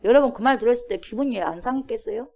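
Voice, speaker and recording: At a Friday prayer service in church, a woman pastor preaches a sermon in a voice on the high side, racing and dark in tone. She questions the congregation and sometimes drops to a whisper.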